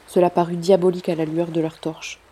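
A woman reading a first-person novel aloud in a steady, measured way. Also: lowish voice, breathy edge. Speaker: audiobook reader.

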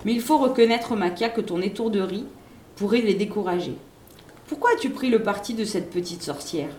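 A woman's voice: medium pitch, a little fast, darkish tone, slight background noise, natural voice. A superstitious old nurse, fussy and scolding, her words pushed out with force, as a woman reading a storybook puts her on. She fusses over gods and omens. The reading carries a roomy echo. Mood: grumbling. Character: fearful, superstitious older female nurse.

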